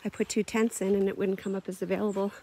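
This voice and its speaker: A woman's voice: mid-range voice, flat delivery, fast, dark tone, slight background noise. A woman giving a casual, chatty camping vlog tour outdoors, with easy laughs and lots of fillers. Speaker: camping vlogger. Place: outdoors at a lakeside forest campsite.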